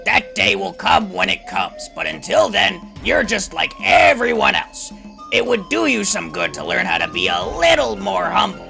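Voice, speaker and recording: Creaky, grumpy old ape. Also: male voice, sits high, big pitch swings, moderate pace, sharp tone, soft background music, heavily acted. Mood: irritated, scolding. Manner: curmudgeonly, folksy. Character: grumpy elderly male ape, scolding village elder. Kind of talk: audio drama character acting.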